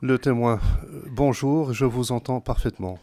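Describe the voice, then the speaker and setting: A man's voice: medium pitch, moderate pace, darkish tone. A man working as a simultaneous court interpreter, calling out each speaker by role before rendering their words.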